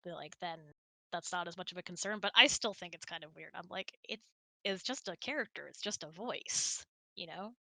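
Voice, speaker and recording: A woman's voice: lowish voice, normal speed, creaky, bright, forceful tone, dry recording. A woman hosting a casual question-and-answer chat in an informal, giggly, chatty way. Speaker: host.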